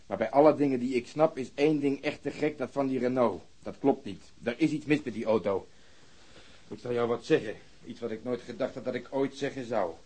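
An actor playing a blunt, sceptical, grumbling police detective in a Dutch radio crime drama. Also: male voice, medium pitch, fairly quick, warm tone, slightly rough, natural voice. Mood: grumbling, puzzled.

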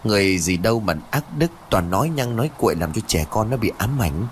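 Male narrator doing a sharp, protective young mother, curt and scolding. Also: on the low side, lively intonation, brisk, slight background noise, natural voice. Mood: stern.

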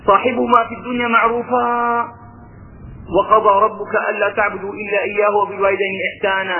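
Levantine male religious teacher with a high voice, lively and questioning, on a lo-fi tinny recording. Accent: Levantine Arabic. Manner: lively, mixes colloquial talk with recited verses, asks rhetorical questions. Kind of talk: religious lesson.

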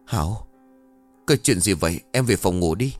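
A man voicing a tired, short-tempered middle-aged husband in a spoken ghost story, talking in a gruff, exasperated way. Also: low voice, lively intonation, normal speed, soft background music. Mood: uneasy. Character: weary irritable middle-aged man, drinker.

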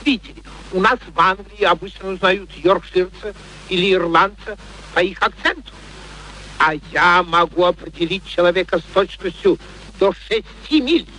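An actor playing an arrogant, excitable gentleman professor of phonetics in a radio play, declaiming pompously with precise diction. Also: high-pitched, moderate pace. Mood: boastful. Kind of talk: theatrical radio play acting. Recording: noisy vintage radio play recording.

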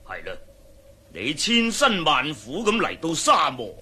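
A man's voice: fairly high pitch, wildly swooping pitch, unhurried, pushed and bright, breathy edge, heavily acted. A man with a Hong Kong accent playing a formal, solemn desert tribal chief in a radio drama. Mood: welcoming.

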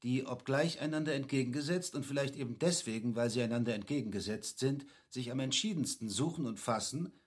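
Educated polite captain guy male actor, slightly rough husky voice, formal and patient, classic radio play. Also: medium pitch, lightly acted. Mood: patient, instructive. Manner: measured, didactic, formal. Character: learned, courteous captain patiently explaining, a cultivated man.

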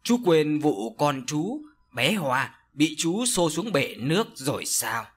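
A man voicing an older village sorcerer who speaks slowly and solemnly in an audio story. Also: fairly high pitch, big pitch swings, breathy edge, full character voice. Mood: grave. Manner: slow, solemn, scolding. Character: older male village sorcerer, stern and grave.

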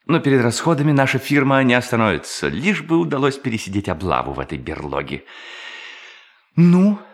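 A man's voice: mid-range voice, very animated, a little fast. An actor playing a sly, gleeful male bank robber posing as a pious hermit in an audio drama, muttering and exclaiming to himself with self-mockery. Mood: scheming. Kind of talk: theatrical audio drama monologue.

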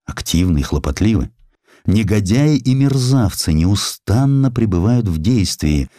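A man's voice: low voice, a little mellow, dry recording, clean studio sound. A man playing an eloquent, moralizing defense lawyer, speaking emphatically and rhetorically in an audiobook drama. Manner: emphatic, rhetorical, drawn-out key words.

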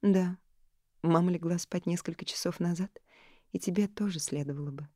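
A woman voicing a reserved young woman in her twenties in an audiobook, quiet, calm and a little weary. Her tone is low and mellow, recorded dry and close. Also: moderate pace, no room sound, lightly acted.

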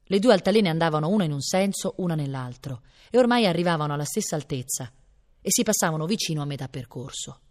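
A woman reads a novel aloud in a low, expressive voice and shifts into each character. A long reverb hangs around her. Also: fast. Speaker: audiobook reader. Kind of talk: literary reading aloud.

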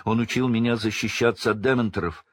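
A man voicing a defiant teenage boy wizard, pitched up and pushing hard, in a storybook reading. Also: steady tone, quick pace, close to an everyday voice. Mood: desperate arguing.

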